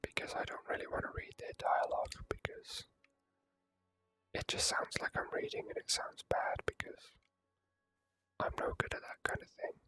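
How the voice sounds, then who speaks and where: A man's voice: moderate pace, pauses often, bright, forceful tone, soft background music, rough recording. Whispering man doing ASMR game commentary. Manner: hesitant, self-deprecating. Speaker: ASMR gamer.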